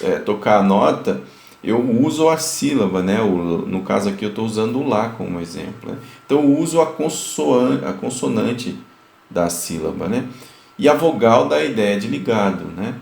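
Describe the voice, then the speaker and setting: A male music teacher with a mid-range, slightly mellow but gravelly, fry-tinged voice explains a lesson full of fillers, singing example notes and adding quick checks with his students. The room gives his speech a noticeable echo.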